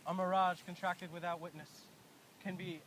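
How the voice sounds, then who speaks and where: A student voicing Christian, an earnest young male soldier, in a quiet, plain school play reading. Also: medium pitch, flat delivery, normal speed, slight background noise, lightly acted. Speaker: student actor.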